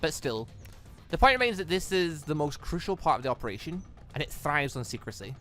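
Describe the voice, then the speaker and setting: A man reading the visual novel lines of a cold, scheming villainess in a measured, calculating manner. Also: a little high, very animated, sharp tone, faint music behind. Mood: cool, firm. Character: cold, scheming villainess plotting a city's downfall. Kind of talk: reading visual novel game dialogue in character.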